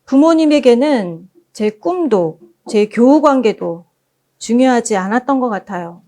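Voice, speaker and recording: A woman presenting at a book forum who reads passages aloud as gentle storytelling. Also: a little high, animated, measured pace. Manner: gentle storytelling, acting out quoted lines.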